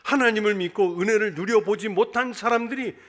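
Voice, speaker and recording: A man's voice: sits high, brisk, fairly bright tone. A middle-aged man preaching a sermon as pastor, earnestly addressing the congregation again and again.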